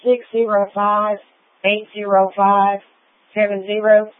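A woman's voice: medium pitch, flat delivery, takes it slowly. Female police dispatcher over lo-fi radio. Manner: procedural, spells out with phonetic words and digits. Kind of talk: police radio dispatch, reading out records and bulletins. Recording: muffled lo-fi police radio transmission.

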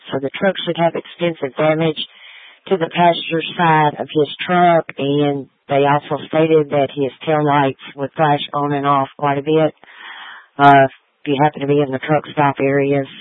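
A woman's voice: sits low, no echo. A woman working as a police radio dispatcher, reading out records and bulletins in a procedural way over the radio. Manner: procedural, spells out with phonetic words and digits. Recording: muffled lo-fi police radio transmission.

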